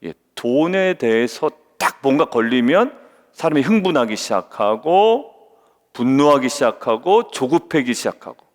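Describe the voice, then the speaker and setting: A man's voice: mid-range voice, big pitch swings, moderate pace. A male pastor preaching an early-morning devotional sermon, often questioning his congregation and acting out the voices he quotes. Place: church sanctuary. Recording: long reverb of a church hall.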